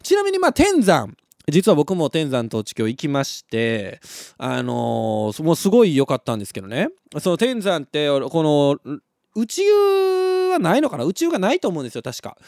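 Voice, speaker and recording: A young man with a Kansai accent, hosting a live radio show and telling stories in a casual, animated way. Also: a little high, normal speed, gravelly, dry recording, clean studio sound. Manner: animated storytelling, laughs at his own story.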